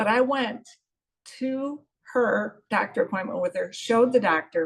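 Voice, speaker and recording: At a moderate pace, a somewhat breathy voice speaks with lively intonation. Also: woman. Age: 70s. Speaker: pharmacist. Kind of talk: testimony.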